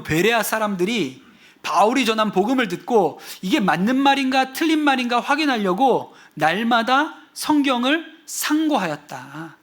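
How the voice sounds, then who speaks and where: A male pastor delivers a sermon in a church sanctuary. His voice sits high for a man and swings widely in pitch as he fires questions at the congregation. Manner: animated, asks the congregation questions. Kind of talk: sermon to a mixed-age congregation.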